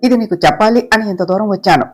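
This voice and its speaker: A man's voice: high voice, fast, faint music behind. A woman voicing an eager, cheerful young man who pleads and talks with enthusiasm.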